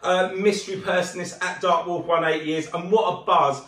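A middle-aged man hosting his own channel, announcing prize winners in an enthusiastic, chatty way, a little croaky from a cough, filmed in his living room. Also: sits high, steady tone, fairly quick, fairly bright tone. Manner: enthusiastic, chatty, gestures while talking. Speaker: channel host. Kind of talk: upbeat announcement to viewers. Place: living room at home, indoors. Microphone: camera across the room. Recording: roomy echo from a distant camera mic.

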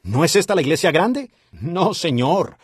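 A man's voice: a little high, very animated, a little slow. A man preaching a sermon, emphatic and often asking his listeners questions. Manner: emphatic, asks the congregation questions.

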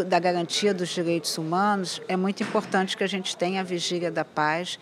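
An older woman with a Brazilian Portuguese accent, a state legislator, explaining steadily into a handheld mic. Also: fairly low pitch. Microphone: handheld reporter mic.

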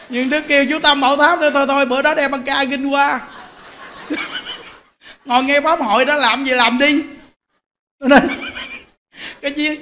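Bright-voiced monk preaching in an animated, exhorting way. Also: male voice, extremely high pitch, a little hiss or hum. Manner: animated, exhorting the audience, direct. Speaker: Buddhist monk. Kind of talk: sermon.

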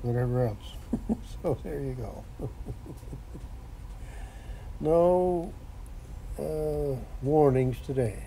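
A man's voice: a little high, drawn-out words, gravelly, long pauses, mellow, a little hiss or hum, rough recording. A man rambling in a folksy way while filming in his cluttered home workshop garage. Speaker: vlogger. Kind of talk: casual workshop vlog.

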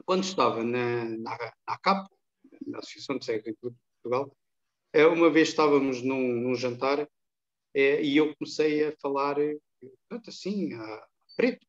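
An older man from Angola, a guest in an interview over a video call, telling anecdotes in a calm, chatty way. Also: medium pitch, moderate pace. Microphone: webcam on a video call. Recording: dull, lo-fi video call audio.

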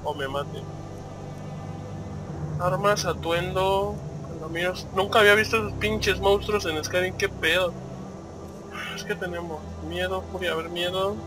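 A man with a Mexican accent giving excited gameplay commentary, cursing constantly and shouting out at what happens in the game. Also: high-pitched, measured pace, pauses often, over music. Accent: Mexican Spanish. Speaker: gaming video host.

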